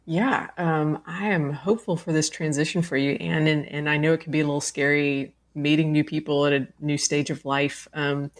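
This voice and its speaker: A young adult woman who works as a chaplain, answering a radio caller gently and reflectively with many pauses. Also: deep voice, fairly even intonation. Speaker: chaplain and author. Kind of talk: radio interview.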